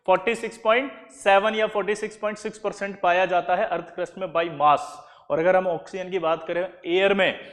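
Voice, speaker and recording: A man lectures on chemistry in a high voice that rings out in a reverberant room. He keeps stopping to quiz his students and repeat the answers back to them. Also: steady tone, a little fast, hardly any pauses. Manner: quizzes listeners with repeated questions. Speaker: chemistry teacher. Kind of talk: classroom lecture.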